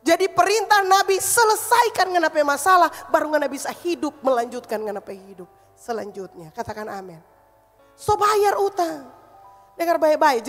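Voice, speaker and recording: A woman's voice: high-pitched, in a large hall. A woman pastor with a Manado accent preaching a sermon, emphatic and calling the congregation to repeat phrases after her. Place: church hall.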